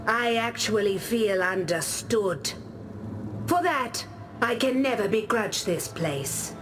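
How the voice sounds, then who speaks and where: Slow, reflective tribal warrior woman. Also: medium pitch, lively intonation. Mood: guarded, reflective. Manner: measured, reflective, deliberate storytelling. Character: aloof, scholarly tribal warrior woman spirit of the dead. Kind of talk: scripted game character monologue. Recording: game music behind the voice.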